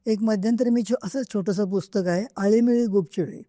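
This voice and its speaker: A woman's voice: mid-range voice, moderate pace, warm tone, no room sound, studio quality. A middle-aged woman author answering interview questions, earnest and emphatic, often repeating her points for stress. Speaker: guest author. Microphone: podcast microphone.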